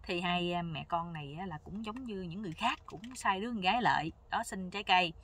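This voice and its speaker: A woman telling a comic folk tale in a casual, lively way, acting out the characters' lines. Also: on the low side, fairly quick. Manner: lively, playful, acts out every character's lines. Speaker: storyteller. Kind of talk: casual spoken folk joke storytelling.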